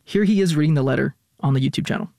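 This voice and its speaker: A male reporter narrates a news feature in a measured, scripted way. His voice sits a little high for a man and sounds dry and close, with no room around it. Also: gravelly, dark tone, no echo. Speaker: radio reporter.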